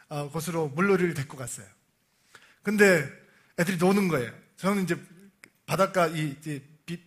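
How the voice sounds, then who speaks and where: A middle-aged man preaching from the pulpit with a lively, swooping delivery. He shouts out the cries he quotes and falls to a hushed, low voice when he reads scripture. His voice sits high and sounds bright and sharp. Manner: drops to soft, low tones for scripture. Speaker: pastor. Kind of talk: sermon.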